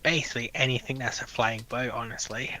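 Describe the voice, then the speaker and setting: Very bright-voiced man over noisy background. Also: mid-range voice, fairly even intonation, brisk. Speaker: co-host. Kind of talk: casual chat.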